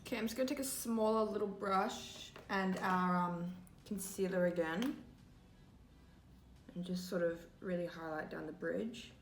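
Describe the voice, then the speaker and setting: A young woman in her twenties giving a casual makeup tutorial, chatty and full of "like" fillers, her voice a little hoarse. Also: fairly low pitch, a little slow, reverberant, a little hiss or hum. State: slightly hoarse, losing her voice. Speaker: makeup vlogger. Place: small indoor room before a grey backdrop.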